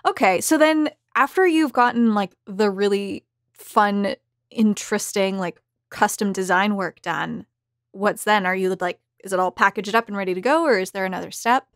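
A woman's voice: medium pitch, moderate pace, no room sound, clean studio sound. A woman hosting a casual chat, curious and informal, reacting to her guest and asking questions. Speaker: host.

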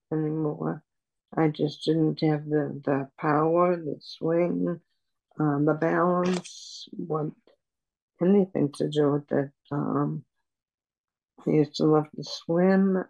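An older woman on a video call at home, speaking softly and haltingly with many pauses as she talks about her life as a patient. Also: sits low, gravelly, lo-fi sound. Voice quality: soft voice. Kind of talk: personal account in an interview. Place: room at home. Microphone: video call webcam.

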